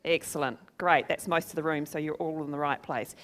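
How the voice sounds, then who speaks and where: A woman's voice: deep voice, steady tone, fairly quick. Chatty woman with a New Zealand accent. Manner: chatty, upbeat, jokes and laughs at own jokes. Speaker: presenter at a business seminar. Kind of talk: live seminar talk. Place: venue with a live audience.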